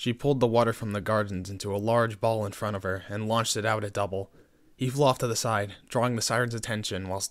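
The clip features plain reading aloud, and the intonation stays fairly even.

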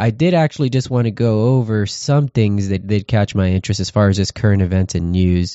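A normal speaking voice goes at a fairly quick pace with hardly any pauses. Its pitch varies in an ordinary way. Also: man, fairly low pitch for a man. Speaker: podcast host. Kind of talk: solo monologue.

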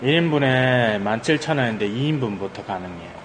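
Against noticeable background noise, a man speaks at a very slow pace with lively intonation. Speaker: eating-show streamer. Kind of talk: casual eating-show chat. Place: cafe. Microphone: camera far.

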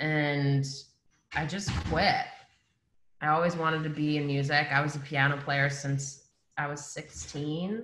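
A woman with a New Jersey accent speaks at a fairly slow pace, her very deep, low pitch held in fairly even intonation. Long, frequent pauses, audible room echo, and light background noise mark the clip. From New Jersey, US. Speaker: songwriter and producer; guest. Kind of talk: casual interview. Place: home room. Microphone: video call.

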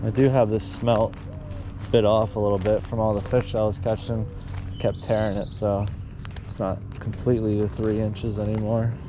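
The speech is monotone and flat at a moderate pace, with long, frequent pauses, a dry sound with no echo, and noticeable background noise. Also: man, fairly low pitch for a man. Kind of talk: casual fishing vlog commentary. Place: waterside. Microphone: phone near.

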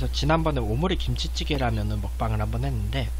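A man talks at a fairly quick pace in a monotone, flat intonation, the sound dry with no echo and carrying light background noise. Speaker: knowledge content creator and live streamer. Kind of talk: casual live-stream chat while eating. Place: home room. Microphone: studio mic.

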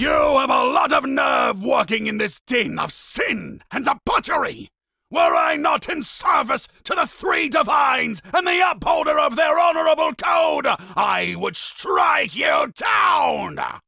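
Shouting in a raspy, high-pitched put-on character voice, the speaker goes at a fairly slow pace with hardly any pauses. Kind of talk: archaic formal speech. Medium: cartoon. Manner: pompous, indignant, formal.

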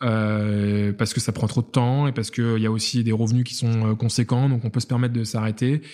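Flat and monotone, a man speaks at a moderate pace and medium pitch with a dark, mellow tone. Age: 20s. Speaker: sprinter, elite athlete. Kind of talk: interview conversation. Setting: coaching studio in Paris.

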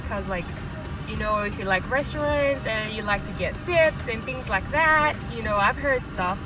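A woman speaks at a moderate pace over clear background music. The sound is dry, with no echo. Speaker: college student vlogger. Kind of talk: casual vlog chat. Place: car. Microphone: phone near.

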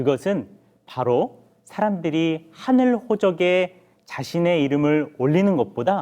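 This man talks at a very slow pace, with a fairly high pitch, a dark, mellow tone and lively intonation. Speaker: pastor. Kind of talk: children's sermon. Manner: animated.

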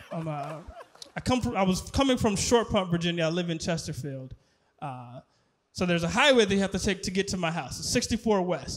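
A man is shouting with lively intonation and an animated tone. He talks at a fairly quick pace. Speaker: stand-up comedian. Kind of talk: stand-up comedy set, acting out a drunken citizen's-arrest story. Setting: stage with live audience. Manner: animated, escalating into mock-yelling while acting out the scene; laughs at his own punchlines mid-story. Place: stage. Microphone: handheld.

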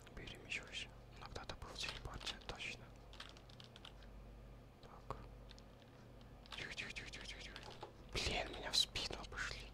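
Long, frequent pauses break up this man's speech. He whispers at a moderate pace. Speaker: ASMR gaming creator. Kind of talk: gaming commentary. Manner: whispered. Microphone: studio mic.

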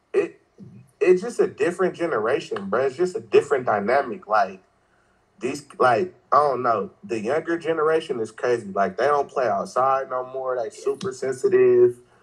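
Against a quiet background, a man with a fairly high, somewhat breathy voice speaks at a moderate pace, making very wide pitch swings. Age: 30s. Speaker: interviewee. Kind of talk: casual chat. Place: home room. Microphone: video call.

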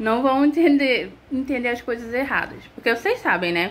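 A woman is speaking. Her pitch is high. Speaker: vlogger. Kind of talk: casual vlog chat. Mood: serious, somewhat indignant. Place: home room. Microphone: phone near.

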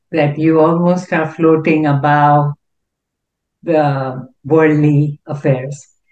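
A woman's very deep, low-pitched voice with audible room echo over a quiet background. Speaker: audience member asking questions; audience member. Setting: video call. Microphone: video call.

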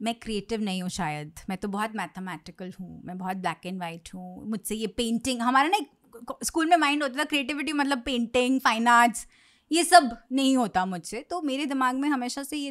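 A high-pitched woman at a moderate pace, with lively intonation and big swings in loudness, over a quiet background. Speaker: IIT graduate career guest; podcast guest. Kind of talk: casual podcast conversation. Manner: confident. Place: studio. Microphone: studio mic.

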